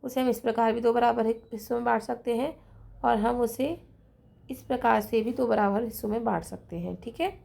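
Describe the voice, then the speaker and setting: Patient woman teacher with a gravelly voice. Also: a little high, steady tone, a little fast, a little mellow. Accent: Hindi of Rajasthan. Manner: patient, counts aloud, checks in with "ठीक है". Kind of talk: math lesson for children.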